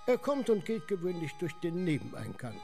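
A man playing a deferential Victorian butler in a radio play, husky and stiffly formal. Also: on the high side, big pitch swings, a little fast, mellow. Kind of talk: German radio play acting. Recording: reverberant hall, faint music.

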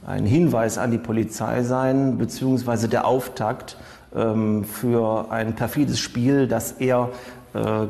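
Gravelly man in a reverberant room, halting. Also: medium pitch, a little mellow. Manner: halting, hesitant phrasing with many pauses. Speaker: expert commentator. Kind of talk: unscripted interview commentary. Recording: long reverberant room echo.

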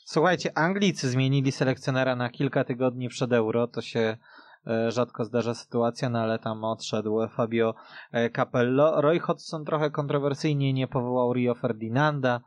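A man's voice: medium pitch, fairly even intonation, normal speed, dry recording. A man hosting a conversational sports radio discussion as he leads the talk. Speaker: radio host moderating a football discussion. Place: radio studio.

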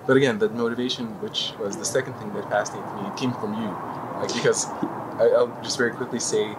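A man's voice: on the low side, steady tone, fast. A young man from Lithuania hosting a podcast, asking curious, reflective questions in an outdoor dome. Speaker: podcast host. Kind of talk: conversational interview. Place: outdoor glass dome on a city square. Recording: street noise behind.

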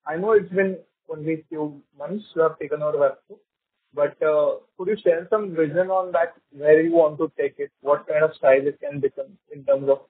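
A man's voice: fairly high pitch, slightly rough, no room sound. An Indian-accented man, an investor putting questions to management on an earnings call. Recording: dry, tinny phone line.

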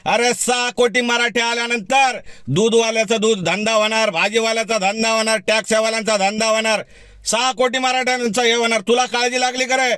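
A man speaks straight to the listener in a heated, defiant rebuttal. His voice is high and bright, and it comes through dry and close with no room around it. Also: little pitch movement, moderate pace, smooth, dry recording. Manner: defiant, heated, direct address. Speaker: community activist. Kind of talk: fiery video rebuttal.

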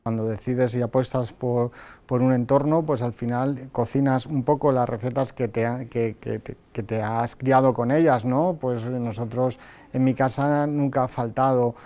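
A man's voice: medium pitch, fairly even intonation, moderate pace, dark tone. A chef in his thirties speaking earnestly in an interview, often repeating words, on a lapel mic. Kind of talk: interview talk.

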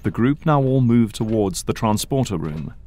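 A man's voice: on the low side, expressive, moderate pace, mellow, slight background noise. A man giving dramatic scripted narration for an audio drama.

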